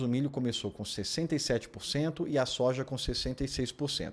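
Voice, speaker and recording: A man talks at a fairly quick pace in an unremarkable speaking voice of medium pitch. The recording is very clean, with a silent background. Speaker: agricultural market commentator. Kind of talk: market news commentary.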